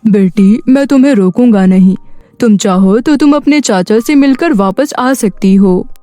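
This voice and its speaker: A woman voicing a kindly old male shopkeeper, gentle and fatherly, in a cartoon moral story. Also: mid-range voice, unhurried, no room sound, faint music behind, pitched below the performer's own voice, close to an everyday voice. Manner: gentle, consoling.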